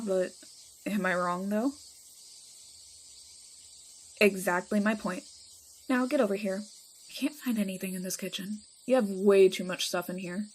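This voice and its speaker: A woman's voice: mid-range voice, close to an everyday voice. A woman playing a chatty, teasing, affectionate vampire friend in a casual roleplay audio drama. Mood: chatty, caring.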